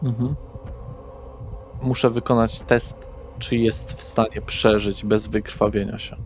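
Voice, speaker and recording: A man's voice: fairly low pitch, level tone, slow pace. A man running a tabletop horror role-playing session as game master, narrating scenes and talking through rules. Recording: background music under the voice. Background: music.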